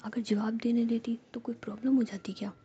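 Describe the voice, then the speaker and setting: A woman's voice: a little high, little pitch movement, brisk, dark tone, a little hiss or hum, natural voice. A woman voicing a caring young woman who scolds her partner, spoken in a whisper. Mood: scolding. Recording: dull lo-fi recording.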